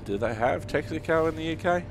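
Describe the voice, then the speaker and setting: A man's voice: a little high, expressive, brisk. An Australian man chatting casually and reflectively, in a rambling way, while playing a driving game. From Australia (Western Sydney). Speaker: host of a truck simulator gaming series. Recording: vehicle engine and road noise behind voice. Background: truck simulator game sounds, engine and road.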